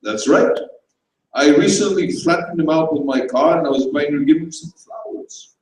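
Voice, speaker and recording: Brief: a man playing a chirpy, blunt young woman, raised pitch, distant and echoey. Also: normal speed, a little hiss or hum, lightly acted. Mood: breezy. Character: breezy, forthright young American woman.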